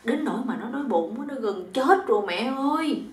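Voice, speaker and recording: A woman's voice: a little high, expressive, fairly quick, far from the mic, close to an everyday voice. Woman voicing a sly coaxing son-in-law. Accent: Southern Vietnamese. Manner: soft, coaxing, pleading. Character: sly scheming young son-in-law, male. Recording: roomy echo.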